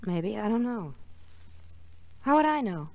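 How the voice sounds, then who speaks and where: A brusque young burlesque showgirl from an old radio detective play. Her pitch is average for a woman, and she talks in curt, defensive snaps, evasive and impatient. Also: very animated, measured pace, darkish tone, highs cut off. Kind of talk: 1940s radio drama acting.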